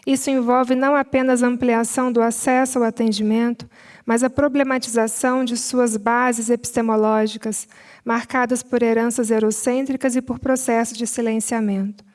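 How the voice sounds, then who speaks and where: Flat-toned Brazilian woman reading a panel summary. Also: a little high. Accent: Brazilian Portuguese. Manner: measured, mixes read text with spoken asides and fillers. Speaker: seminar panelist.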